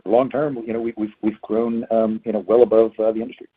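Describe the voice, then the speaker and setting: Male executive, quick but halting and repetitive, on a tinny phone-grade earnings call line. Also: on the low side, little pitch movement, a little hiss or hum. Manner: halting, hesitant, repeats words. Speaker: company executive answering analysts. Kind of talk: earnings call question and answer. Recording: phone-like narrow band conference call.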